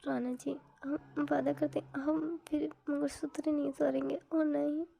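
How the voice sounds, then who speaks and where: A woman voicing a timid, tearful young bride who pleads softly and hesitantly. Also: sits high, little pitch movement, moderate pace, vocal fry.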